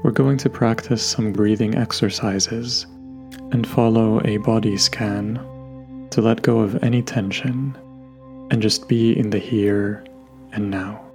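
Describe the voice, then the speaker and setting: A man guiding a meditation in a gentle, unhurried way, leaving long pauses between instructions. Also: lowish voice, fairly even intonation. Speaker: meditation guide. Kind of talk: guided meditation narration. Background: soft background music.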